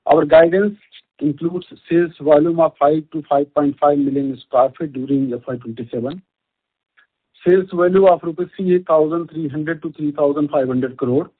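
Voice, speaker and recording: A man with an Indian accent reads a scripted corporate earnings presentation as a company executive, formal and measured, over a conference call line. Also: fairly high pitch, husky. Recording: muffled band-limited conference call audio.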